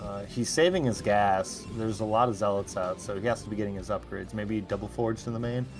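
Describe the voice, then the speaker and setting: Music plays in the background as a man speaks at a very fast pace with hardly any pauses. His pitch is fairly low, with ordinary pitch variation. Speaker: esports co-caster. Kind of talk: live game commentary.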